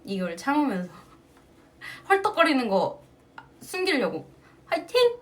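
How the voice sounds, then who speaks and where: A woman chats casually with her fans over a livestream, her pitch swinging widely as she tells stories. She laughs often between phrases and keeps an easy, animated way of talking. The sound comes through a phone mic. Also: unhurried. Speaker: singer hosting a fan livestream.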